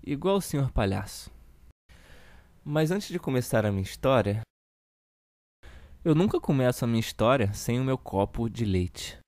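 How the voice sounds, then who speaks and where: A man's voice: medium pitch, animated, moderate pace, long pauses, a little mellow, dry recording, studio quality, lightly acted. Theatrical Brazilian kids' show storyteller uncle played by a man. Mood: welcoming. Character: children's TV show host uncle reading a satirical storybook.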